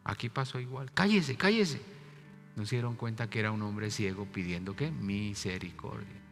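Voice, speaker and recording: A man preaching a sermon as pastor, emphatic and repeating key words, with his voice moving between loud and soft. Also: deep voice. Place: church sanctuary. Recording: reverberant church hall with faint music.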